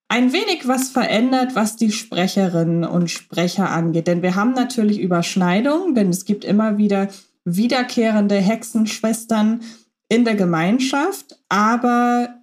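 A woman co-hosts a podcast while ill and recovering, chatting casually in a thoughtful, talkative way. Her voice is mid-range with a darkish tone.

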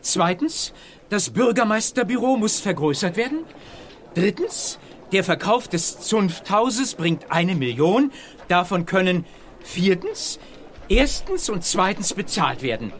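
An actor playing a timid, browbeaten secretary to a mayor in a children's audio drama, hesitant and halting. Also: male voice, high voice, sing-song, a little hiss or hum. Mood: timid, reluctant.

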